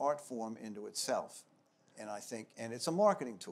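A man's normal speaking voice with lively intonation at a moderate pace. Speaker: journalist and editor, interviewer; journalist, interviewer. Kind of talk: onstage public conversation. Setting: stage with audience in a theater. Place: stage.

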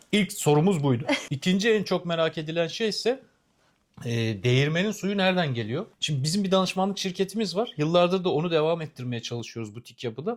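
At a fairly quick pace, a man speaks with a high pitch and lively intonation. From Istanbul, Turkey. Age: 30s. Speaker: travel vlogger. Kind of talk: casual chat.

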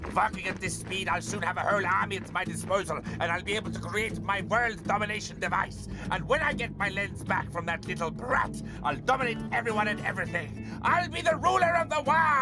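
A man speaks in a cartoonish character voice, raised and projected. His pace is fairly quick, with loud music playing behind him. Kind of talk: cartoon villain acting. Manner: megalomaniac, gloating, short-tempered.

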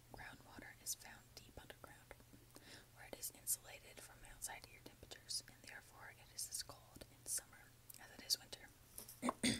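A woman is whispering at a moderate pace. Her loudness swings widely. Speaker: ASMR creator. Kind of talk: ASMR audiobook-style reading. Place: home room. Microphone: earbuds.

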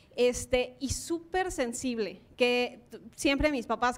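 A woman is speaking. Her pitch is high. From Durango, Mexico. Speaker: architect. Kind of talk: talk presentation. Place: hall. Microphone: handheld.

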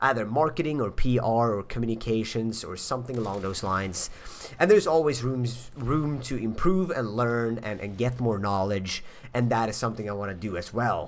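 At a fairly quick pace, a man talks in a normal speaking voice at a medium pitch, with ordinary pitch variation. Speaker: YouTube gamer. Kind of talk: casual gaming commentary monologue. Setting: recording late at night. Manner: rambling, filler words, repeats phrases.

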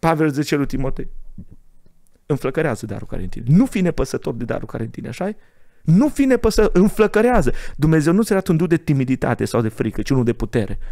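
With a dark, mellow tone and a fairly high pitch, a man talks at a very fast pace, his pitch swinging very widely over a quiet background. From Romania, Bihor (Ștei); Bihor, Romania. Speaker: evangelist and church elder; evangelist. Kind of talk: casual interview with preaching. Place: studio. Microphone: studio mic.

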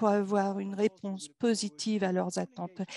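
At a fairly slow pace, a woman speaks in a dark, mellow tone with monotone, flat intonation, in a dry sound with no echo. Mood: formal, slightly apologetic. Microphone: video call.

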